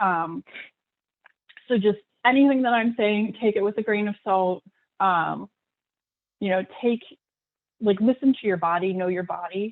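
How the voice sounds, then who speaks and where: Pausing long and often, a woman of medium pitch speaks at a moderate pace with ordinary pitch variation. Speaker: workshop presenter, cyclist. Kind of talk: workshop presentation. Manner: hesitant, many fillers.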